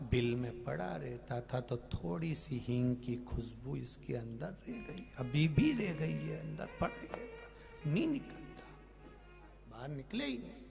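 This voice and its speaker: A man from Madhya Pradesh giving a devotional Hindu sermon, moving between sung verses and emphatic preaching that swings from loud outbursts to soft asides. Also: medium pitch, gravelly. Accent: Madhya Pradesh Hindi. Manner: sings bhajan lines, then preaches with emphatic rising outbursts and soft drops. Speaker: kathavachak preacher.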